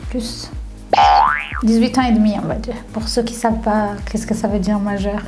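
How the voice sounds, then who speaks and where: A woman's voice: mid-range voice, fairly even intonation, normal speed. A young woman from Tunisia chatting casually in an interview, often laughing and repeating her words. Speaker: reality TV contestant. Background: faint background music.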